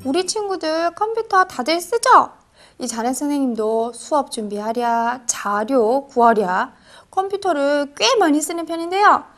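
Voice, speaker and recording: A woman's voice: high voice, animated, measured pace, fairly bright tone. A woman teaching English to children, telling short stories and asking the kids questions. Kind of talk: children's lesson narration.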